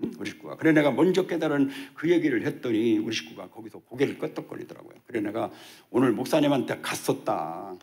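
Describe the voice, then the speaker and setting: A man's voice: mid-range voice, animated, fast talker, darkish tone. An older man, a church elder, preaching a testimony sermon at a church service and acting out dialogue as he tells his story.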